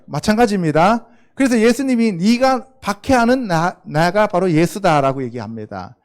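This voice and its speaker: A man with a notably high voice preaches from the pulpit. He keeps throwing questions at the congregation and answers them himself. He sounds middle-aged and speaks in a church. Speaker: pastor. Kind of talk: sermon.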